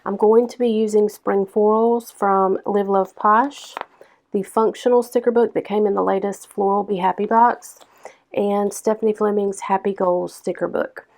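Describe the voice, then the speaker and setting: A young woman with a hoarse, stuffed-up voice chatting casually through a planner-decorating vlog. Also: mid-range voice, fairly even intonation, darkish tone. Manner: chatty, lots of ums, unhurried. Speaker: planner vlogger. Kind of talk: casual plan-with-me narration.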